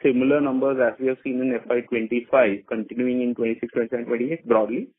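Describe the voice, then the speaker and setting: A man's voice: medium pitch, fairly even intonation, quick pace, breathy edge, no echo. A man speaking as an analyst on an earnings call, politely and tentatively probing for details over the phone. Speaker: analyst asking questions. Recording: dry narrow-band phone line.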